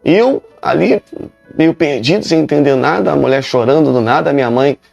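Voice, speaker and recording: Gravelly, dry-voiced pastor giving an emphatic personal testimony; faint music underneath. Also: male voice, on the high side, a little fast, a little mellow, no echo, lo-fi sound. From Rio de Janeiro, Brazil. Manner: emphatic storytelling with repetitions.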